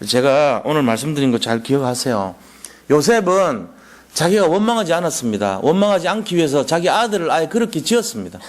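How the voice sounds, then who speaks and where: A male pastor preaching a Friday night sermon. He is animated and drops into soft, low asides.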